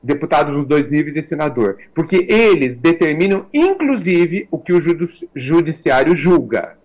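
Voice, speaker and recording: A Brazilian man talking as a guest on a radio talk show, reflective and measured, often checking in with a tag question. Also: on the high side, sing-song, a little mellow, highs cut off. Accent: Brazilian Portuguese. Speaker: guest commentator.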